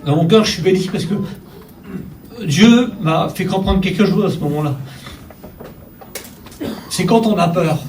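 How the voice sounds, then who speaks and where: A middle-aged male preacher gives a storytelling sermon, calling out to the congregation as he goes. His voice sits a little high, and it comes from a distance across an echoey church hall, with faint ambience and a congregation behind him. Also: unhurried, pauses often, a little hiss or hum. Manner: storytelling, animated, addresses congregation directly. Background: faint ambience, congregation saying amen.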